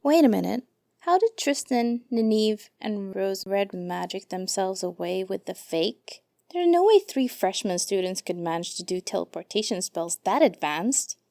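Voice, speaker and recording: Indignant, prim female scholar, woman acting, audio comedy. Soft-edged timbre, lively pitch, precise objections. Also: unhurried, gravelly, dry recording, clean studio sound.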